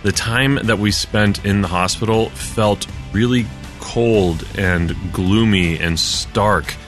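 Soft-spoken low male host. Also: slow pace, soft background music. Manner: soft, thoughtful. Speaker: morning show host. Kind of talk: reflective show promo.

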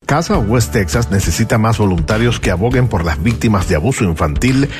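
A male announcer reads a public service ad in a clear, earnest voice. His pitch moves up and down a lot, and music plays clearly behind him. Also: lively intonation, brisk. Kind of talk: read radio public service ad. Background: music bed.

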